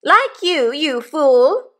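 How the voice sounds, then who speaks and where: A woman voicing a violent, shrewish wife, shrill and theatrically indignant, in a storybook reading. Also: big pitch swings, normal speed. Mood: scornful. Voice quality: shrieking, shrill. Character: violent shrewish married woman, scolding and easily enraged.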